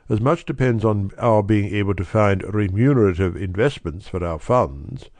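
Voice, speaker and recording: A man's voice: on the low side, creaky, a little mellow, no echo. A man voicing a distraught, dignified middle-aged banker pleading his case earnestly. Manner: agitated, earnest, breathless pleading.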